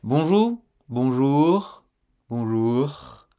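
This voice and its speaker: A man teaching French pronunciation, slowly modelling words and phrases and repeating them for the listener to copy. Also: medium pitch, expressive, warm tone. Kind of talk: pronunciation lesson.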